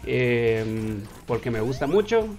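A man's voice: medium pitch, sing-song, takes it slowly, darkish tone, faint music behind. A Mexican man in his twenties with a Mexican Spanish accent, casually answering viewer questions as a gaming YouTuber, playful, reading each question aloud in a raised voice. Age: 20s. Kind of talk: casual Q&A voice-over over gameplay.

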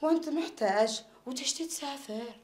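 A woman's voice: high-pitched, normal speed, echoey room, natural voice. An actress playing a caring mother who coaxes her grown son, speaking with a Yemeni accent. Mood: coaxing. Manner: coaxing, affectionate.

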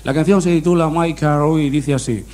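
A man's voice: on the high side, fairly quick. A man doing a mock-serious comic monologue full of puns. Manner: deadpan punning humor, mock-serious delivery. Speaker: comedian.

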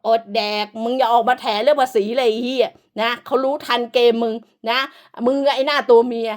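High-voiced woman ranting harshly. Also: steady tone, a little fast, darkish tone. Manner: harsh, profane, insulting, repeatedly scolding. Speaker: online commentator. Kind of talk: angry scolding rant.

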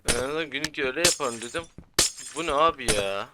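A young man at a middle pitch talks through a match as a gaming YouTuber, in casual gameplay commentary. He grumbles and keeps coming back to how frustrated he is. Loud noise sits under his voice the whole time. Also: expressive, fast talker. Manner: frustrated, grumbling, repeats complaints.

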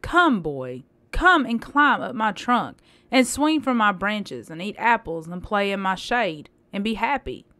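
A woman voicing a loving, selfless female apple tree in a storybook, with a gentle, giving manner. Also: mid-range voice, very animated, measured pace, dry recording. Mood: inviting.

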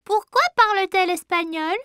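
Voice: extremely high pitch, moderate pace, sharp tone, no echo, studio quality. An actor playing a curious, enthusiastic four-year-old boy in a children's cartoon, speaking in simple, eager phrases.

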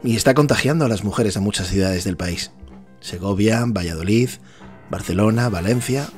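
Low-voiced, formal senator played by a man. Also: normal speed, darkish tone, soft background music, lightly acted. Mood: grave. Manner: formal, declarative. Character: formal male senator bringing grave news. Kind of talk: audio drama acting.

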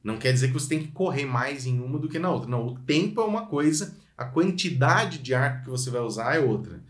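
Energetic Brazilian violin teacher, echoey room. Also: male voice, medium pitch, fast. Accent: Brazilian Portuguese. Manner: energetic, addresses viewer directly, sings phrases to demonstrate. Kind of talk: online music lesson.

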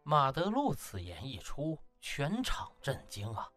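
Animated, theatrical audiobook narrator over music. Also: medium pitch, unhurried. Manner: theatrical, colloquial, exclamatory. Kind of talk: dramatic comic web-novel narration.

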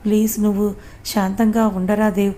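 Woman reading as a calm soothing male friend. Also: mid-range voice, moderate pace, natural voice. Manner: soothing, persuasive. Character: young man, calm reasoning friend.

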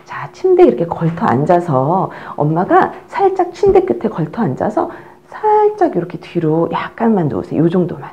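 A middle-aged woman teaching parents how to soothe a crying baby, demonstrating as she talks and sometimes dropping to a soft whisper. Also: fairly low pitch, normal speed, hardly any pauses, muffled recording. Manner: animated, demonstrating with an instructor's cues; drops to a soft whisper while the baby settles. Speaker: baby care instructor. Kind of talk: instructional demonstration.

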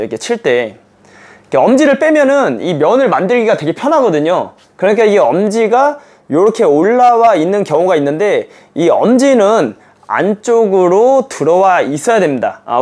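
A man with a high, lively voice gives a badminton lesson to camera. He talks casually and demonstratively, full of small fillers as he shows each move. His pitch swings widely from phrase to phrase. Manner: animated, demonstrative, many fillers like "이렇게" and "아". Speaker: badminton coach.

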